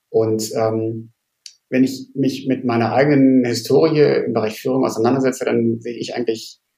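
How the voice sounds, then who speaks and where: At a moderate pace, a man with a medium pitch, a dark, mellow tone and ordinary pitch variation sounds somewhat breathy. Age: 50s. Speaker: company CEO. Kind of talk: interview. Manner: hesitant, many filler sounds.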